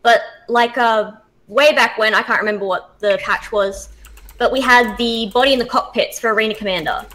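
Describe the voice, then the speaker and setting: A woman with a slightly high, bright voice takes part in a podcast panel. She speaks casually, as in conversation with fellow gamers. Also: moderate pace. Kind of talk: casual panel discussion about a video game.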